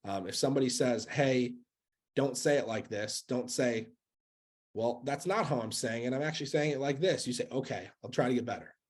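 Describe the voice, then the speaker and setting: An earnest man in his thirties coaching a room of sales agents. He talks at a medium pitch, leans on fillers like "you know" and "um", and repeats key phrases for emphasis. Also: moderate pace, husky. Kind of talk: motivational talk to sales agents.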